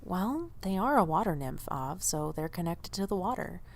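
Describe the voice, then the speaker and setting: A woman's voice: on the low side, sing-song, normal speed, creaky, a little hiss or hum. A woman playing an earnest, loyal young diner waitress in audio drama dialogue, speaking expressively and a little hesitantly. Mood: casual explaining.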